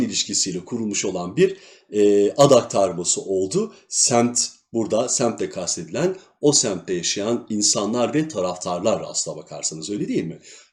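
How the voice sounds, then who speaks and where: Speaking at a moderate pace, a man with a medium pitch swings his voice very widely up and down. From Turkey, Zonguldak. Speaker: Turkish language teacher. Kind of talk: online exam-prep lesson. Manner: animated.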